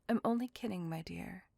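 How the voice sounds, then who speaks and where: A woman voicing a possessive, doting, centuries-old female vampire in an ASMR roleplay, whispering softly with formal, old-fashioned phrasing. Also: mid-range voice, gravelly, dry recording, studio quality, full character voice. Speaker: voice actor.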